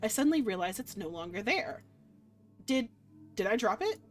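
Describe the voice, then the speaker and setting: A woman's voice: medium pitch, big pitch swings, normal speed. Female streamer, playful and reactive, reads story game narration and comments over game music. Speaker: streamer reading a visual novel aloud. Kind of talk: game playthrough with read-aloud narration and chat commentary.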